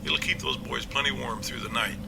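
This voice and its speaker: A man playing a confident police captain in an amateur audio drama, explaining things in a measured, matter-of-fact way. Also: medium pitch, fairly even intonation, gravelly, background noise, lightly acted.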